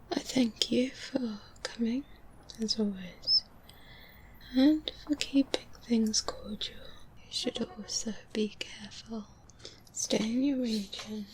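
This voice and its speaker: A woman playing a stern, cautious vampire-hunter mentor in a soft-spoken ASMR roleplay, earnest and measured, giving firm warnings close to the microphone. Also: on the high side, background noise. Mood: cordial, cautioning. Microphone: close-up binaural microphone.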